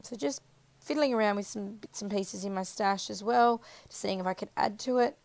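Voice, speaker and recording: A woman with a croaky, scratchy voice chatting casually through a crafting voiceover, rambling and correcting herself as she goes. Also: mid-range voice, normal speed, a little mellow, no echo. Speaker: craft video maker. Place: voiceover recorded apart from the footage.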